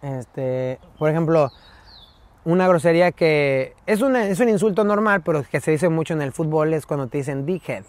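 A man, a podcast guest telling stories in a lively way and mimicking English phrases. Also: on the high side, moderate pace, dry recording. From Mexico. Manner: animated storyteller who mimics English phrases. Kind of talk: casual interview storytelling.

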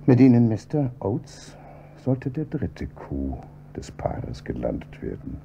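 An actor playing an insistent police inspector in a German radio crime drama, questioning in a measured, pointed way. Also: male voice, fairly low pitch, huge pitch swings, gravelly, mellow, exaggerated voice. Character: probing male police inspector, calm and insistent. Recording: dull old radio recording with faint hum.

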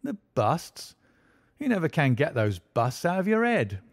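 A man's voice: on the high side, sing-song, measured pace, no room sound, clean studio sound, voice pushed up, heavily acted. A man reading aloud and voicing a brash, self-satisfied police inspector who boasts and insists on his own theory. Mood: dismissive.

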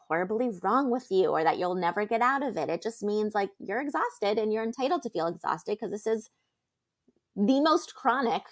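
A woman's voice: fairly high pitch, fairly bright tone. Chatty young woman podcast co-host. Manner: chatty, reassuring, many fillers. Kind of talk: casual chat.

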